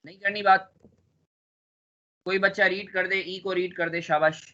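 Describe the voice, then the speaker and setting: A man's voice: sits high, fairly even intonation, moderate pace, sharp tone, lo-fi sound. A male accounting teacher with a sore throat, lecturing a class in a teasing way and drilling students with repeated questions.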